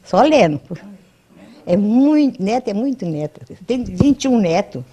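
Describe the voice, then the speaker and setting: A woman's voice: mid-range voice, very animated, a little slow, mellow, slightly rough. An 88-year-old Brazilian woman reminiscing casually in an interview at home, homely and colloquial, often adding tag questions, on a handheld microphone. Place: at home, by a house wall.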